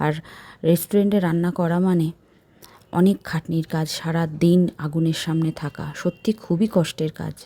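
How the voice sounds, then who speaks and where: A woman's fairly low, dark, mellow voice with fairly even intonation, recorded dry and close with no echo. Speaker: para teacher and YouTuber. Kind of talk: news commentary vlog.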